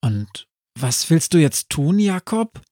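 Young witch girl voiced by a man, raised pitch, urgent, dry studio sound. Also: sing-song, slow pace, warm tone, dry recording, exaggerated voice. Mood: earnest.

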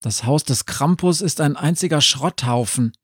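A man playing a higher-voiced young witch apprentice, urgent, earnest. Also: moderate pace, slightly rough, no room sound, clean studio sound.

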